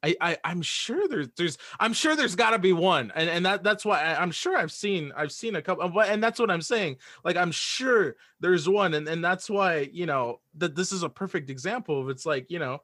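Guy on a podcast, bright forceful voice, dry close sound, kinda stumbles and repeats words as he hedges. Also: high voice, animated, moderate pace, few pauses, dry recording. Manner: hesitant, hedging, repeats words as he goes. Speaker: podcast guest, audio drama writer. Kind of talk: casual podcast chat.

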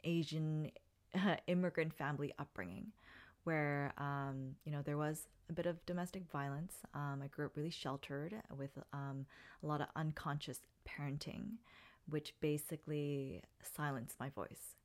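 Low-pitched woman in her thirties, solo podcast host, reflective and unhurried, talks with many ums and restarts. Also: fairly even intonation.

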